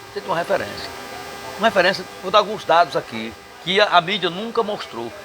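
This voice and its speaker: A man's voice: sits high, animated, fast, background noise. A man from Northeast Brazil with a Northeastern accent, talking as a guest in a casual bar interview, emphatic and combative, with salty language.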